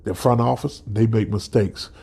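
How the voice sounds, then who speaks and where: A man's voice: fairly low pitch, fairly even intonation, normal speed, vocal fry, warm tone, breathy edge. A man hosting a solo sports podcast, stuffed up from a cold, talking as a passionate fan with many restarts and "okay?" tags. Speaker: podcast host.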